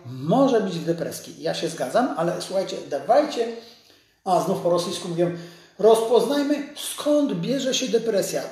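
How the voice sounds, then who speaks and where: Broadcasting live from a large, empty dental office with hard surfaces, a man in his sixties who is a doctor explains things conversationally to his viewers. His high voice is slightly mellow and lively in intonation, at normal speed, and the room echoes strongly.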